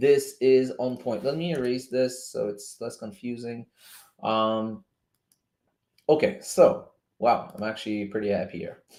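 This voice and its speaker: A man with a French-Canadian accent speaks at a fairly slow pace. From Quebec, Montreal. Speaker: forex trading educator. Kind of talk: livestream chat and tutorial. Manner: casual, hesitant with fillers.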